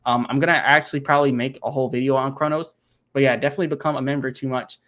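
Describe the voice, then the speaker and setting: Male streamer answering viewer questions, loose and rambling, working sums out loud. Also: medium pitch, flat delivery, racing. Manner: rambling, thinks aloud while doing math, many fillers. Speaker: crypto channel host. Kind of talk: casual livestream Q&A. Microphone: home computer setup, single monitor.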